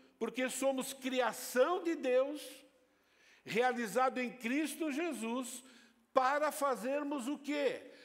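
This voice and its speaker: In a room with audible echo, a man speaks very slowly at an extremely high pitch with fairly even intonation. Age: 60s. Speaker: pastor. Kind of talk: sermon. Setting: church service.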